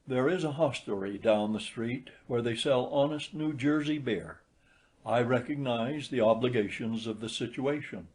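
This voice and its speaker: Man reading a proud young male gentleman, storybook character, formal wording, firm, clipped. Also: medium pitch, normal speed, natural voice. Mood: genial, formal.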